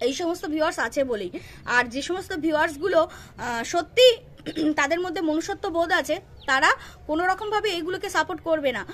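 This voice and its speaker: A woman's voice: extremely high pitch, quick pace, fairly bright tone. A woman giving unscripted roast commentary, confrontational and scolding, repeating herself and firing rhetorical questions. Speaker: YouTube commentary creator.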